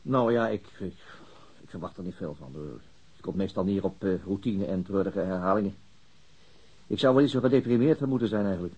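Tired middle-aged city cop, husky, halting, radio play, bit muffled sound. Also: male voice, low voice. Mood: musing, hesitant. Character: weary middle-aged city police detective, male, mildly gloomy. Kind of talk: naturalistic radio drama acting.

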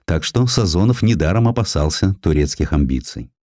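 Deep-voiced man, animated historical narration. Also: moderate pace, no room sound, studio quality. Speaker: audiobook narrator. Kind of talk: dramatic scripted narration of historical prose.

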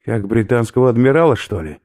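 A man voicing a brash, rough young male skinhead who talks loudly and bluntly in slang. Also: mid-range voice, lively intonation, brisk, pitched above the performer's own voice, close to an everyday voice. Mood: interrogating. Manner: loud, blunt, slangy, impatient.

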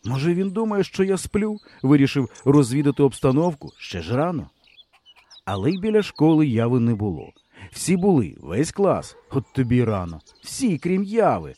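Expressive man reading a story. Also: medium pitch, moderate pace. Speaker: audiobook reader. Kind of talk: audiobook narration.

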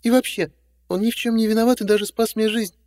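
A man voicing a brave, stubborn young woman in an audiobook, with high, insistent protests. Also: fairly even intonation, quick pace, a little mellow, big-room sound, lightly acted. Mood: defiant. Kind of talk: audiobook reading.

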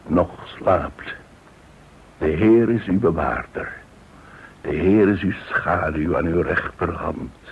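An actor playing a devout, steadfast Jewish man in a radio drama, speaking in a solemn, measured way. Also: deep voice. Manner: solemn, measured scripture reading. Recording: dull, noisy old radio drama recording.

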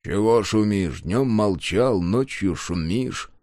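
A man's voice: fairly low pitch, animated, slow, a little mellow, no echo, studio quality. A man voicing a grumpy, sleepy old carter in a storybook reading, grumbling in a drowsy mutter.

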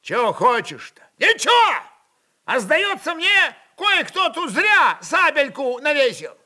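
A wiry old Cossack with a very high, forceful voice that swings widely. He is biting, defiant and quick to anger, talking in mocking folk speech for a radio play. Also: huge pitch swings, full character voice. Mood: angry. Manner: combative, mocking, folksy speech.

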